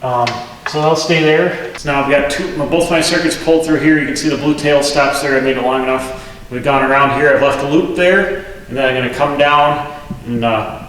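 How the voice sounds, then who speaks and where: A man's voice: a little high, moderate pace, a bit bright, a little hiss or hum. A man hosting a do-it-yourself video, explaining his work step by step as he goes and thinking aloud with frequent restarts. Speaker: DIY channel host. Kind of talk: casual step-by-step explanation while working. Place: pole barn workshop. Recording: echoey, reverberant barn space.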